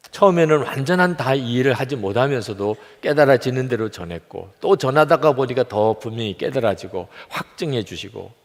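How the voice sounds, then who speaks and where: An older man, a pastor, preaching a heartfelt sermon, his voice rising loud and dropping to a near whisper. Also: medium pitch. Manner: emotional testimony, swings from loud to near whisper. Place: church sanctuary. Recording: church hall reverb.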